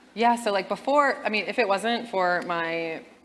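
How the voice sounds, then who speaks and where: Background noise is noticeable here. A woman talks with an American accent. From USA. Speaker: content creator. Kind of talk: casual interview.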